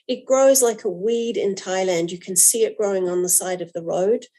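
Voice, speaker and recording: A middle-aged woman presents her products to sales agents. Her voice is mellow and warm, in a medium pitch. She is earnest and stresses key points by repeating words. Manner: earnest, emphatic repetitions.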